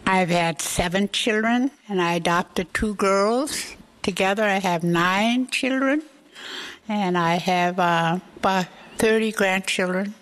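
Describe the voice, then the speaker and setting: Woman in her eighties, oral history interviewee; slow, halting, reflective delivery. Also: medium pitch, fairly bright tone, low-quality recording. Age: 80s. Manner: slow, halting reminiscing with pauses. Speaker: interviewee sharing her life story.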